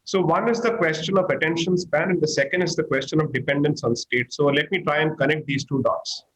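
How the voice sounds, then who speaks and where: A man's voice: a little high, a little fast, fairly bright tone, low-quality recording. A man, laying out an argument step by step on a panel, in a structured, analytical way. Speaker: panel guest. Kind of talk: panel discussion.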